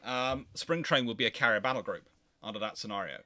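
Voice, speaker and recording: A man's voice: medium pitch, a little fast, pushed and bright. A man hosting a history live chat, talking casually and technically, often repeating words and restarting his phrases.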